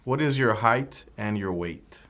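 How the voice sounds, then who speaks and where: A man playing an immigration officer in a scripted mock interview, asking formal, measured questions. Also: on the low side, expressive, a bit bright.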